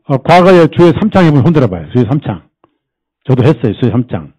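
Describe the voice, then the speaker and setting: A man's voice: mid-range voice, very animated, fast talker, a little mellow, slightly rough, rough recording. A male pastor preaching at a church service, quizzing the congregation with rhetorical questions and mimicking people to make his points. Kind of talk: sermon.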